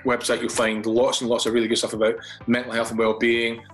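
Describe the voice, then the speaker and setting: A man's voice: mid-range voice, completely flat delivery, fast, fairly bright tone, faint music behind, rough recording. An older Scottish man, a guest from a fathers' charity, chatting in a radio interview and often repeating words as he restarts his thoughts.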